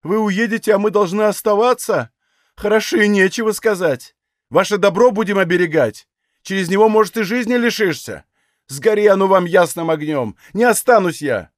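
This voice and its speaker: A man's voice: high voice, normal speed, dry recording, clean studio sound, pitched above the performer's own voice, natural voice. A man voicing an indignant young Cossack woman who wails her protest. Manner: wailing, indignant.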